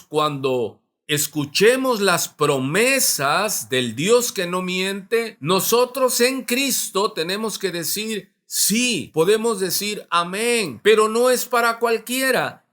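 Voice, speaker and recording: A male pastor from Mexico preaching a sermon in a church, asking the congregation questions and slowing down to stress key words. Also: high voice, sharp tone. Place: church sanctuary.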